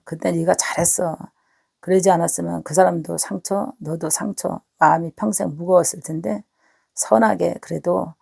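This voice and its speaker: Woman pastor with a cold, gravelly husky voice, low and mellow, dry close sound, earnest testimony. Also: dry recording. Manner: earnest, repeats words, talks to listeners directly. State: hoarse from a cold. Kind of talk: spoken testimony to online viewers.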